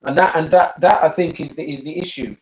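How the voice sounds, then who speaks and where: This bishop and family talk host, an older British man, has a voice on the high side with fairly even intonation, and he talks fairly quickly. He's earnest and emphatic in the casual family discussion, repeating himself often for emphasis, in a rough recording with a roomy sound.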